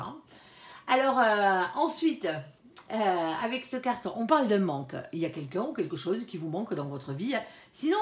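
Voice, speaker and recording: A woman giving a casual tarot reading, talking chattily to her viewers and filling her speech with little interjections. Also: fairly high pitch. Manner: chatty, peppers speech with "hein" and "alors"; softly pleads with her guardian angel between cards. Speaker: tarot card reader. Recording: echoey room.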